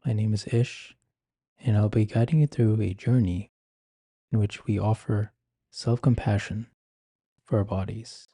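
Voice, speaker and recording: A man guiding a meditation in an ASMR-like style, speaking gently and giving soft, measured instructions. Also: fairly low pitch, fairly even intonation, husky, dry recording. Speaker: meditation guide.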